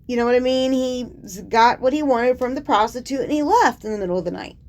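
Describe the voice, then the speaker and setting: A woman's voice: high-pitched, a little fast, a little mellow. A young woman hosting a casual scripture commentary, chatty and sarcastic, filling her talk with "like.". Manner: chatty and sarcastic, heavy use of "like". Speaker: host.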